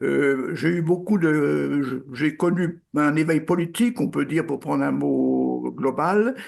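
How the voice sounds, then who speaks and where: A man talks at a very slow pace. He leaves hardly any pauses. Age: 80s+. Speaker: Dominican priest and meditation teacher. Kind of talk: interview. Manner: halting.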